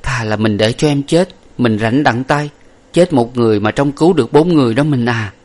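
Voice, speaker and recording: A man's voice: medium pitch, brisk, voice pushed up, close to an everyday voice. A man voicing a wounded young wife, weak and pleading. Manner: soft, pleading, tearful. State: weak and breathless. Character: gentle young wife, wounded, self-sacrificing.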